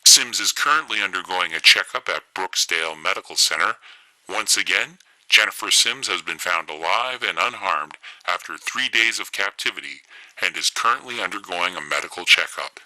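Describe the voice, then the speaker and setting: A formal radio newsreader with a low, extremely crisp and forceful tone. The dry, close sound suits a serious scripted bulletin. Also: male voice, animated, normal speed, dry recording, exaggerated voice, rough recording. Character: serious male radio news announcer. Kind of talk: scripted radio news bulletin in audio drama.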